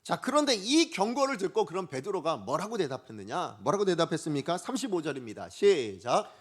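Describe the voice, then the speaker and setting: A man preaching a Sunday sermon as pastor, lively and full of questions to the congregation. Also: fairly high pitch, fairly quick. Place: church sanctuary.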